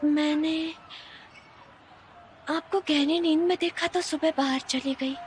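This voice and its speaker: A woman dubbing a tender, troubled young woman in a romance drama, speaking softly. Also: high-pitched, steady tone, a little hiss or hum. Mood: quiet. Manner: soft, unhurried, tearful at times. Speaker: female lead in a dubbed romance drama. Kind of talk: dubbed drama acting.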